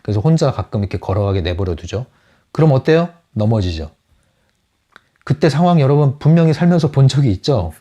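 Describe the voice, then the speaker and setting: A man's voice: medium pitch, very animated, a little fast, dark tone, lo-fi sound. A man giving a lecture on a book as a psychology counselor, often asking his audience rhetorical questions. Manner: asks the audience rhetorical questions, acts out quotes.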